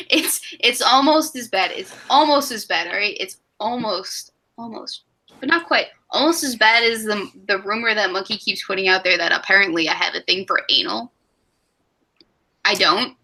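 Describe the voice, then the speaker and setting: A woman's voice: mid-range voice, normal speed, pushed and bright, poor audio. A woman in her twenties hosting a casual live stream, rambling and laughing at herself. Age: 20s. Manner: giggly, rambling, self-mocking. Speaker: stream host.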